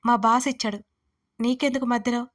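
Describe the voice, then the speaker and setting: A woman's voice: fairly high pitch, steady tone, fairly quick, close to an everyday voice. A woman voicing an indignant young working woman who scolds and talks back in an audio story.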